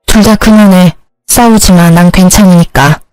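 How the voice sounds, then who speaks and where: A woman voicing a gentle, apologetic older mother who speaks slowly and soothingly. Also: lowish voice, steady tone, soft background music, lightly acted, low-quality recording. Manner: soft, slow and soothing.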